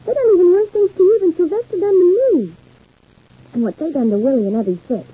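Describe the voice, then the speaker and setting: A woman's voice: very high-pitched, expressive, fast talker. Indignant American townswoman, tinny old radio. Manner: plain-spoken, folksy, pressing with questions. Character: indignant, eager small-town woman, vengeful gossip. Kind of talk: 1950s radio soap opera acting. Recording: muffled, phone-like 1950s radio recording.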